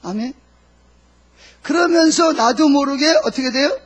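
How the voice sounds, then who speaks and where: A man's voice: extremely high pitch, unhurried. A middle-aged male pastor preaching a sermon, asking the congregation questions and answering them himself, and voicing God's words and a believer's prayers.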